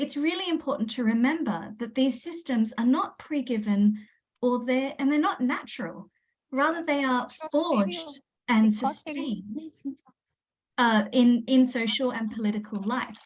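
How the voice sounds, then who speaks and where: Spoken at a moderate pace in an Australian accent, the voice carries lively intonation. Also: woman, high pitch for a woman. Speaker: professor. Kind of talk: lecture. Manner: halting, many fillers.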